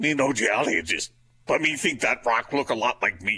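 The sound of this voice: In a gravelly put-on character voice, a man speaks at a moderate pace and medium pitch with very wide pitch swings.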